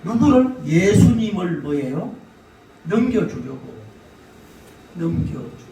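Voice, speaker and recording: Pastor guy preaching, high voice swinging up and down, kinda far off in a big echoey room. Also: slow, gravelly. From South Korea. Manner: animated, shouting questions to the congregation, laughing while preaching. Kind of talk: sermon. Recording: roomy echo, distant mic, faint hiss.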